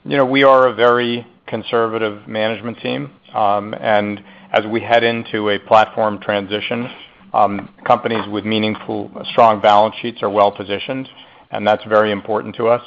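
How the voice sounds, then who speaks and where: A man executive answering analyst questions on an earnings call, measured and emphatic on key points. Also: on the low side, little pitch movement, vocal fry, a bit bright, slight background noise. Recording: muffled conference call audio.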